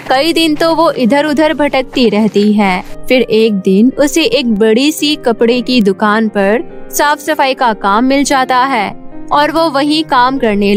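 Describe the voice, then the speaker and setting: A woman reading scripted narration for a children's cartoon story. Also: high-pitched. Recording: music behind the voice. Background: background music.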